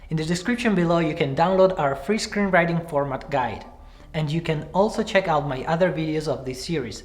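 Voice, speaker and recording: A man in his thirties presenting a scripted screenwriting tutorial to camera from a small room, speaking in a clear, measured way. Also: fairly high pitch. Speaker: screenwriting teacher. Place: small room with cards pinned on the wall.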